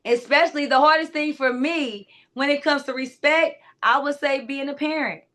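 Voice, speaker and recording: A woman clarity coach with a naturally high-pitched, loud voice, speaking directly to her listeners in a casual, emphatic motivational talk full of asides. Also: normal speed.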